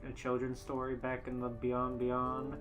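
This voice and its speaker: A man's voice: mid-range voice, monotone, measured pace, lo-fi sound. A man hosting a comedic group podcast, talking in a playful, mock-grandiose way. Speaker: podcast host. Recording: music behind the voice. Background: music.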